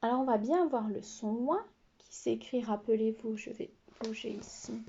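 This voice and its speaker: A woman teacher giving a slow, careful phonics lesson to young pupils, spelling out letters and syllables. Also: fairly high pitch, gravelly, mellow, lo-fi sound, a little hiss or hum. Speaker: primary school teacher.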